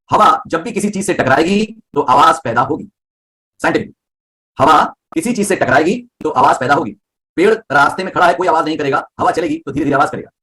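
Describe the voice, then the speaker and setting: Fast-talking male voice coach. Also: on the high side, a bit bright. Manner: explains with everyday examples and checks understanding. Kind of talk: live online class.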